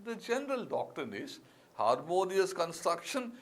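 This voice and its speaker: Lively Indian-accented male lecturer. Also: sits high, normal speed. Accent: Indian English. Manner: emphatic, lively, with many fillers and repeated key words. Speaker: civil services exam teacher. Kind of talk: classroom lecture.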